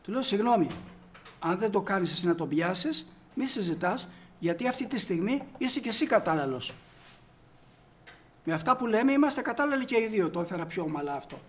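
High-pitched guy preaching, tells stories n acts out the dialogue, gets emphatic. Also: lively intonation, a bit bright, slight background noise. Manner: storytelling, acts out dialogue, rises to emphatic peaks. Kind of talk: sermon with anecdotes.

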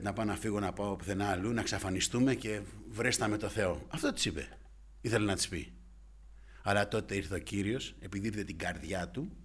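A man preaching a sermon with fervent delivery, swinging from hushed asides to loud exclamations and often adding short interjections. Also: fairly low pitch, husky.

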